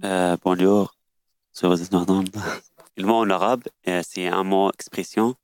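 A man whose first language is Arabic, explaining a phrase in halting learner French with many restarts. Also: low-pitched, steady tone, a little mellow, clean tone, no room sound. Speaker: language learner sharing a word. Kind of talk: hesitant casual explaining.

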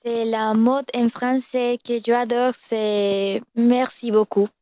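Higher smooth-voiced woman from Colombia. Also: flat delivery, takes it slowly, warm tone, dry recording, studio quality. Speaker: French language learner.

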